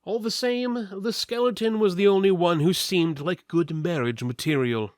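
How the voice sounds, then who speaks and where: A man's voice: high-pitched, normal speed, a little mellow, dry recording, studio quality. A man giving a dramatic, mock-epic reading of a fantasy tale as its narrator. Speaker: narrator, reader.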